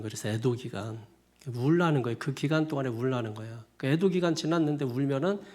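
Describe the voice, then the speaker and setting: A man's voice: mid-range voice, creaky, darkish tone. A male pastor giving a sermon in a loose, conversational manner, often repeating himself and laughing at his own asides. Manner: colloquial, repetitive, chuckling asides.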